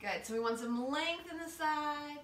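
The yoga instructor speaks a little slowly in a high-pitched, slightly bright voice while guiding her class with playful, encouraging, informal step-by-step directions. A camera on the far side of her living room picks her up, so the audio sounds roomy and distant.

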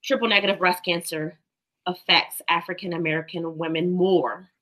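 A doctor in her thirties, appearing as a guest on a video call from a room at home, explains medical facts with calm confidence at a normal speed. Her voice is bright and a touch low, picked up by a laptop mic.

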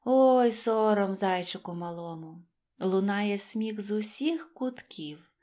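A woman storyteller narrating a rhymed children's tale in an expressive style. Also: mid-range voice, slow. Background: faint music.

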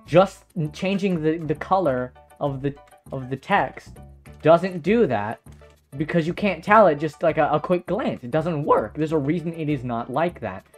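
A man doing casual Minecraft gaming commentary, excitable, swearing often and stammering through restarts. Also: on the high side, measured pace, faint music behind. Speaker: Minecraft YouTuber.

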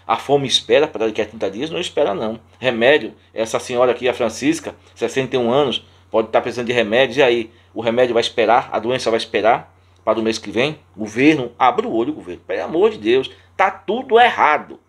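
A man's voice: medium pitch, fast, slightly rough. A man with a Brazilian Portuguese accent hosting a channel, answering viewer comments in casual talk and repeating his points with indignation. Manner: reads viewer comments aloud.

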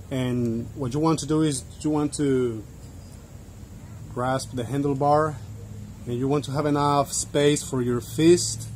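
A man's voice: medium pitch, darkish tone, slight background noise. A young man narrating a step-by-step DIY tutorial in a plain, instructional way. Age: young adult. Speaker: DIY bike vlogger.

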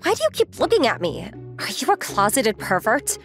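A woman plays a proud young heiress in a manga dub. She is blunt, teasing and sure of herself, in a slightly high, very expressive voice over faint music. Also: normal speed. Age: young adult. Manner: self-assured, matter-of-fact, teasing.

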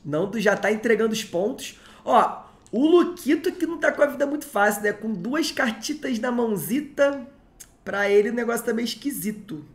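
A young man from Rio de talks into a close desk mic at home while he casts a card game on a live stream. He keeps up a relaxed, slangy running chat and goes off on joking tangents between plays. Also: very high voice, normal speed. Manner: chatty, joking, slangy asides.

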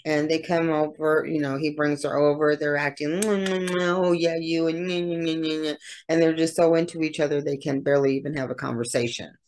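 A woman's voice: low-pitched, flat delivery, moderate pace, darkish tone, a little hiss or hum. A woman hosting a true crime channel, retelling a case in a casual, chatty way with slang, fillers and acted-out quotes.

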